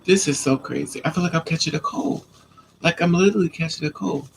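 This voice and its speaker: A man's voice: fairly high pitch, fast talker, creaky, very noisy. A man with a stuffy nose from a coming cold, chatting casually on a live stream and answering viewers' comments. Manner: relaxed, chatty, talks back to commenters.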